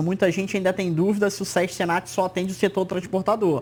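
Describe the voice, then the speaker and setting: Speaking in a Rio de Janeiro accent, a man has a high pitch. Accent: carioca (Rio de Janeiro). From Rio de Janeiro, Brazil. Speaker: regional director of a transport-sector training body. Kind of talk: TV interview.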